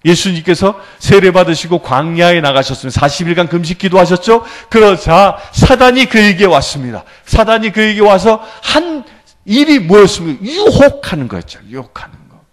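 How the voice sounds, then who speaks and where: A male priest giving a sermon lecture in a church, animated and often prompting his listeners with questions. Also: sits high, normal speed.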